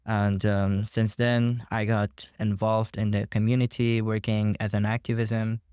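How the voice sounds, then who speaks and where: A man's voice: on the low side, level tone, measured pace, darkish tone, clear, resonant tone, no room sound, clean studio sound. A young man from Afghanistan, a student activist, introducing himself earnestly and formally. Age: young adult. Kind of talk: interview self-introduction.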